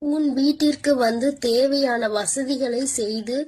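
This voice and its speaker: A woman's voice: high voice, slow, a little mellow, breathy edge, exaggerated voice. A woman speaking as a protective yet stern mother goddess, delivering a devotional divine message and addressing the listener as her child with firm instructions. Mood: motherly.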